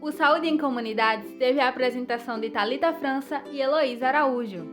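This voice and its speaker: A woman's voice: high-pitched, brisk. A Brazilian woman presenting a podcast in scripted narration. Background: background music.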